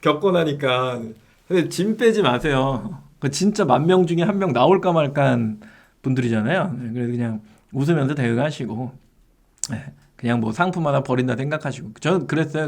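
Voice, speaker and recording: Chatty man teaching online sellers. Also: on the high side. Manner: chatty, rhetorical tag questions. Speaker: seller education instructor. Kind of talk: casual live lecture.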